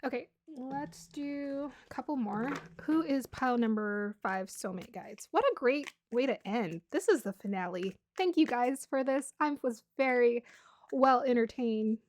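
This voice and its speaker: Bubbly woman reading tarot, slightly hoarse. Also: high voice, expressive, measured pace, a little mellow, a little hiss or hum. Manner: chatty, bubbly, laughs often, trails off and restarts. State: losing her voice. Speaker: tarot reader. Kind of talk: casual tarot reading to camera.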